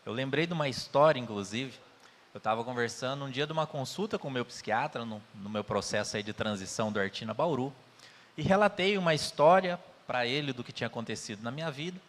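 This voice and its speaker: A man's voice: medium pitch, fast talker, fairly bright tone. A man with a Brazilian Portuguese accent giving an earnest spiritist talk, telling stories with quoted dialogue. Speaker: spiritist lecturer. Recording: reverberant hall.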